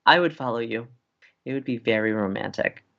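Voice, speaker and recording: A woman's voice: rumbling low, fairly quick, creaky, a bit bright, highs cut off, full character voice. A young woman acting as a breezy, romantic and theatrical college radio co-host in an audio comedy. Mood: playful, mock-romantic. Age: young adult. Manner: playful, dramatic.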